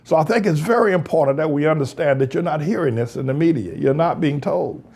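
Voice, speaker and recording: A pastor hosting a news blog, giving fiery, mocking, rambling biblical commentary on politics. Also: male voice, a little high, animated, fast, gravelly, a little mellow, husky.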